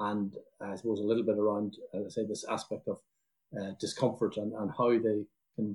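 A man with an Irish accent speaks at a fairly low pitch in a monotone, flat way. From Ireland. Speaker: physician and professor. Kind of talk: interview. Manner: hesitant, many fillers.

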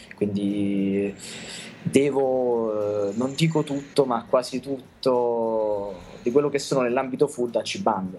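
The man talks very slowly. His voice sits at a medium pitch and varies in an ordinary way. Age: 30s. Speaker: food photographer. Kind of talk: interview.

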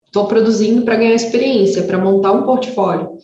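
A woman with a Santa Catarina accent speaks in a flat, monotone way, with audible echo from the room. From Santa Catarina, Brusque. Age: 20s. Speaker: realist pencil portrait artist. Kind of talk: casual interview.

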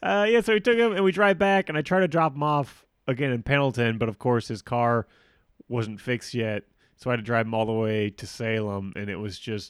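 Here a man uses a plain, everyday voice at a medium pitch. His intonation is lively and his pace moderate. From Seattle. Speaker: comedian. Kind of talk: casual chat.

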